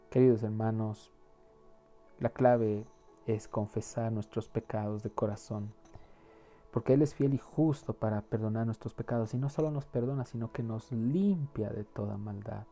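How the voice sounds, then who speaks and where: A man's voice: on the low side, dark tone. A man preaching a sermon in an earnest, pleading way, often repeating words as he searches for them, then moving into prayer.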